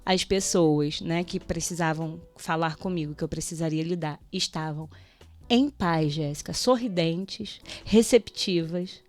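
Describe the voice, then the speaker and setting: A woman speaking as a guest on a Christian radio show, telling a personal testimony with animated storytelling, acting out prayers and conversations and laughing often. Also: low voice, unhurried, faint music behind. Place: radio studio.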